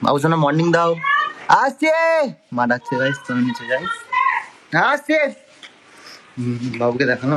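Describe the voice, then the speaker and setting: A man's voice: medium pitch, fairly bright tone. A man chatting casually to viewers in a home vlog, talking straight to the camera. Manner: chatty, addresses viewers directly, repeats "to" as filler. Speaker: vlogger. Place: home, indoors and yard. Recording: noisy phone recording.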